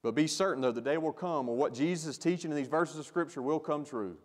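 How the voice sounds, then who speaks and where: A male pastor preaching a sermon with emphatic delivery, growing louder when he stresses a point. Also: a little high, quick pace, long reverb tail.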